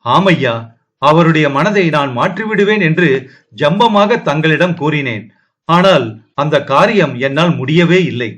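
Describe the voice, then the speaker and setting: A tearful young princess speaks in a fairly high, pleading voice, read by a man narrating an audio novel. She sounds sorrowful and afraid. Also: expressive, a little slow, a bit bright.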